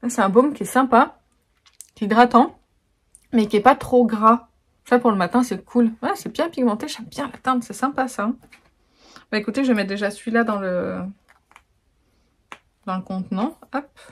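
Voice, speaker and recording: A woman's voice: a little high, normal speed, pauses often. A woman with a French accent chatting casually in a home beauty vlog, laughing often and full of fillers. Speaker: beauty vlogger. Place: home, indoors.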